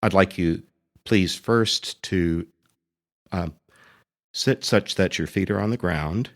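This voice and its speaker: A man with a very deep voice leads a guided meditation in the manner of a priest. He speaks very slowly and gently, setting out short phrases with long pauses between them.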